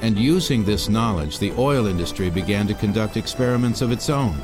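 Documentary narrator, American man, low register, scripted read over a clear music bed. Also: animated, brisk.

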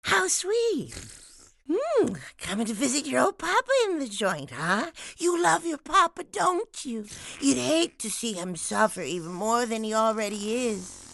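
A woman's voice: fairly high pitch, big pitch swings, unhurried, vocal fry, fairly bright tone, dry recording, exaggerated voice. A woman voicing a ruthless elderly nursing-home bully, sugary and threatening. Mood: menacing.

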